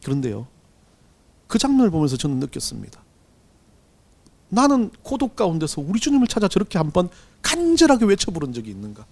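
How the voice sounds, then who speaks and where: A middle-aged man preaching a Sunday sermon as pastor, swinging between loud and hushed delivery. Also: high-pitched, huge pitch swings, fairly quick, vocal fry, pauses often. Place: church sanctuary.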